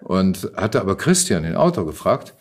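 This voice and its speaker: A man's voice: low voice, very animated, moderate pace, background noise. A middle-aged man in casual, reminiscing conversation as an interview guest, talking hesitantly in half-finished sentences. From Germany.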